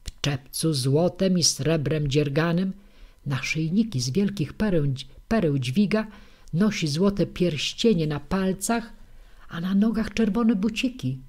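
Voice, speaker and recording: Woman, audiobook reader, low voice, slow unhurried pace, verse fairy tale. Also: a little mellow. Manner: measured storytelling.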